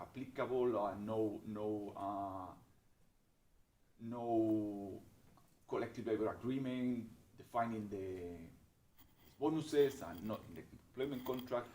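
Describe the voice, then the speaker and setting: A man's voice: mid-range voice, a little mellow, a little hiss or hum. A man presenting in a webinar Q&A, explaining rules methodically with frequent restarts and hesitations, and with a strong voice. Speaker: expert presenter answering questions. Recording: roomy webinar audio with a distant mic.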